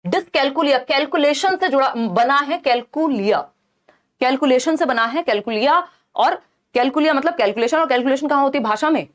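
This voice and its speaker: A woman's voice: high-pitched, a little fast. A young woman teaching an exam-prep lesson, explaining each answer by rephrasing it and asking rhetorical questions.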